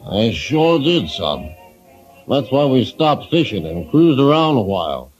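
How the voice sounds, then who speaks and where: A man's voice: medium pitch, sing-song, unhurried, lo-fi sound, faint music behind. An actor playing a folksy fisherman with plain grammar in a 1940s radio drama. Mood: earnest. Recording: noisy old radio transcription.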